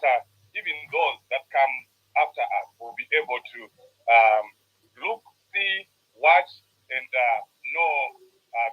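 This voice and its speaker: Male host's opening remarks, earnest with many fillers, muffled lo-fi video call audio. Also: mid-range voice. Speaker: radio host and organiser. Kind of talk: opening remarks in an online panel.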